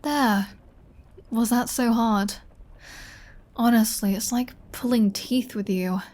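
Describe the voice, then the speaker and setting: Female vampire played by a woman, unhurried delivery, flirty and sardonic, playfully bossy, for intimate roleplay audio drama. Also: fairly high pitch, fairly even intonation, darkish tone. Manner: playful, teasing, dry, bossy.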